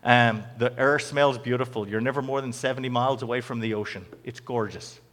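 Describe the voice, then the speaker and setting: A middle-aged man from Northern Ireland with a Northern Irish accent gives his testimony to a church crowd. He talks in a conversational, halting way, stopping to restart his sentences. His voice sits at an ordinary pitch and rings out with a long echo in a hall. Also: steady tone, a bit bright. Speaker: speaker giving a testimony. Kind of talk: personal testimony to a church audience.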